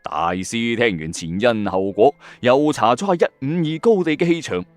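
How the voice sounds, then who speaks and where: Animated Hong Kong Cantonese male storyteller. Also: mid-range voice, normal speed, no room sound. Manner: suspenseful, colloquial, exclamatory asides. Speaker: host of a ghost story audio channel. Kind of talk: dramatic late-night storytelling narration. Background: background music.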